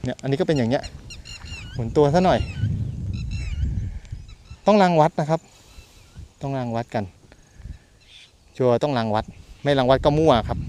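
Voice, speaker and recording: A man talks casually while walking outdoors across open countryside, filming on a handheld camera. His voice sits a little on the high side, and his delivery is loose and chatty as he points things out along the way. Birds call in the open air around him. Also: a little mellow, dry recording. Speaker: land seller and property reviewer. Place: outdoors in open rural fields by a road.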